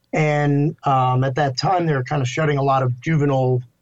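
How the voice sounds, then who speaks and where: A somewhat breathy man at a fairly high pitch, with fairly even intonation. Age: 40s. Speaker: therapist and charity director. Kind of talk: interview.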